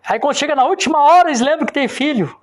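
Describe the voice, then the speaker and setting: A man from Rio do Sul, a pastor preaching a sermon in church with call-and-response. He keeps asking the congregation for agreement and grows loud and emphatic as he presses each point. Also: extremely high pitch, expressive, racing. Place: church service in front of a congregation.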